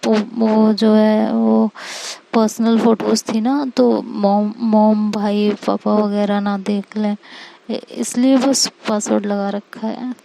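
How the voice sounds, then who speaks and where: A woman's voice: on the high side, steady tone, normal speed, creaky, dark tone, low-quality recording. A woman voicing a nervous young wife who stammers and pleads while being questioned. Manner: stammering, pleading, sweet-talking.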